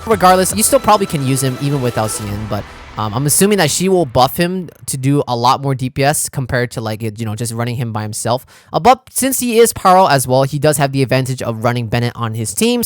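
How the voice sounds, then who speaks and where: A man's voice: mid-range voice, no echo. A man doing casual gaming reaction commentary as a YouTuber, informal and slangy, thinking aloud as he goes. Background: background music.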